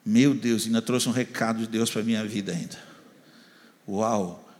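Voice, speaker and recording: A man, a pastor, preaching a sermon and telling a story with animated dialogue. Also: on the low side, moderate pace. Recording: long hall reverb.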